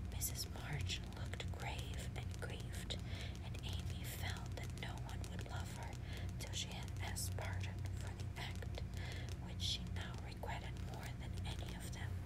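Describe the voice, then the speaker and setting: Whispering and soft-spoken at a fairly slow pace, the voice sits under loud background noise. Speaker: reader. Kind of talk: soft read-aloud of a novel. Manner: soft whispered storybook reading.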